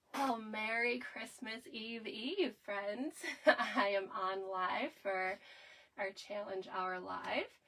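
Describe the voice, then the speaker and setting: A woman at a very slow pace, fairly high in pitch with ordinary pitch variation, over music in the background. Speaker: scrapbooking host. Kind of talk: live stream tutorial. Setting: live stream at home. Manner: casual, chatty.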